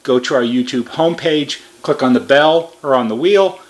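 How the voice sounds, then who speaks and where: A man's voice: mid-range voice, moderate pace. An American man giving a casual, plain-spoken video demonstration as a repair technician, explaining things conversationally. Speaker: repair shop technician presenting a how-to video. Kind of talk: casual product demonstration talk.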